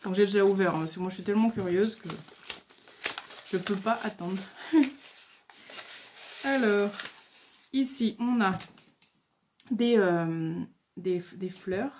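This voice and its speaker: A woman's voice: mid-range voice, slow, long pauses, darkish tone, a little hiss or hum. Hesitant woman showing crafts. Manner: hesitant, many fillers, says she stumbles over words. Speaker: crafting vlogger. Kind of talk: casual show-and-tell of mail crafts.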